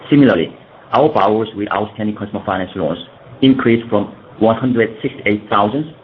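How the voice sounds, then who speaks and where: A man in the role of a company executive, formally reading prepared earnings call remarks and sometimes stumbling over his words. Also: fairly low pitch. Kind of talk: scripted earnings call presentation. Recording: dull lo-fi conference call, faint noise.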